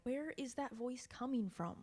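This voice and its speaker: Woman acting a detective's female companion, high voice, earnest, nervous, polite, radio theatre. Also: animated, moderate pace, darkish tone. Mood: alarmed. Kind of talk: old-time radio mystery acting.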